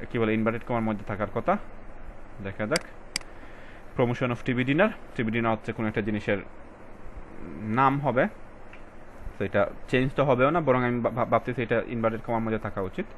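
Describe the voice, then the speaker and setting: Tutor reading English words slowly. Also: male voice, fairly low pitch, slight background noise. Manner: switches between Bengali and English, reads passage lines slowly and stresses words; addresses students directly, casual colloquial. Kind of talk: recorded exam-prep lesson.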